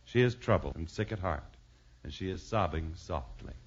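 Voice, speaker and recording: A man, the show's announcer, introducing a sketch in booming, formal 1950s radio-announcer style. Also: expressive, normal speed, slight background noise. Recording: muffled 1950s radio transcription.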